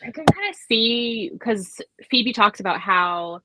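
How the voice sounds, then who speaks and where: A woman's voice: fairly high pitch, expressive, a little slow, background noise. A woman chatting casually in a book discussion, talking in a filler-heavy way and slipping into imagined dialogue. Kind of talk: casual book club chat.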